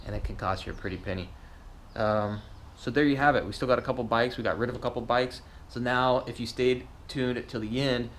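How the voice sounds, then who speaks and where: A man chats to his viewers in a casual, slangy vlog style. His voice is on the low side, and there is faint background noise in the recording. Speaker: motovlogger. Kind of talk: casual garage vlog update.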